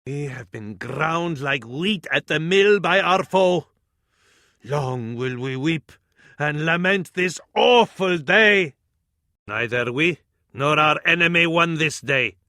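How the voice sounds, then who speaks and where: A fervent Arab battlefield counsellor from a strategy game. The voice sits high and rings out bright and forceful, with an Arabic accent. The delivery is ornate and theatrical, addressed to a sultan, in a very dry, close recording. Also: male voice, lively intonation, slow, dry recording, full character voice. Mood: mournful. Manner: ornate, dramatic, proverb-laden delivery. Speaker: military advisor in a strategy game. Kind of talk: theatrical video game voice acting.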